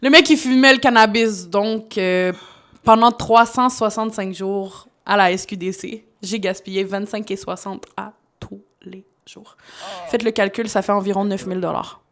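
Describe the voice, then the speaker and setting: A woman's voice: medium pitch, fairly even intonation, normal speed, fairly bright tone. A woman guest on a live podcast, telling her story candidly and laughing often. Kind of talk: casual live podcast chat. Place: studio. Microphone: podcast microphone.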